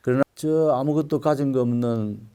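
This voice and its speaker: An older male pastor preaching a sermon, telling stories with sudden loud, emphatic swells. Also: mid-range voice, normal speed, clear, resonant tone.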